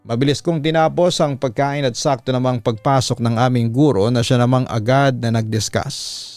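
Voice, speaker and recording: A man's voice: mid-range voice, darkish tone, dry recording. A man with a Filipino accent reading a listener's letter aloud as a storytelling host, in first-person dramatic narration.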